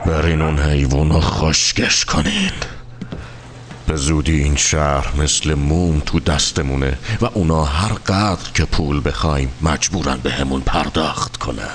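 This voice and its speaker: A ruthless cartoon villain with an extremely deep, rumbling voice. He makes cold, menacing threats and sounds sure of his power. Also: slight background noise. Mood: gloating. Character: ruthless male villain extorting a mayor. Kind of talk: film dub.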